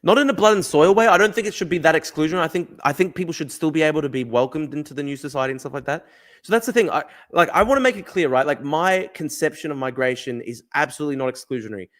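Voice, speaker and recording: A man's voice: fairly high pitch, lively intonation, quick pace, fairly bright tone. A young man hosting a casual livestream, answering chat bluntly, swearing and repeating himself. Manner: blunt, argumentative, swears freely, repeats phrases. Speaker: livestream host reading chat.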